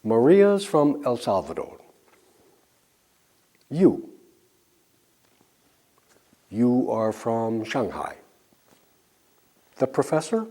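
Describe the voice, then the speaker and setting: A man teaching an English lesson, drilling example sentences slowly and clearly with pauses for learners to answer. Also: mid-range voice, sing-song, dark tone. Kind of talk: slow scripted language lesson.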